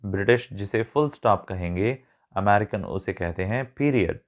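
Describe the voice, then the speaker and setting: A man's voice: fairly low pitch, moderate pace. A man teaching English vocabulary in a spoken lesson, explaining words, mixing English terms into his talk, spelling some out letter by letter and now and then correcting himself. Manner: corrects himself mid-sentence.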